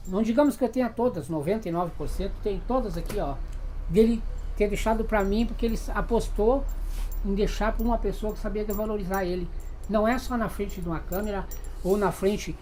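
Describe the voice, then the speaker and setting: A woman's voice: medium pitch, a little fast, dark tone. A woman talks fervently in a documentary interview. Faint ambient noise sits underneath. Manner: fervent, emphatic.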